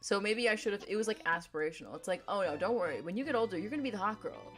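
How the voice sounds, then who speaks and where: A young woman with a deep voice chatting casually on a gaming livestream, rambling in a playful, laid-back way. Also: lively intonation, racing, soft background music. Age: young adult.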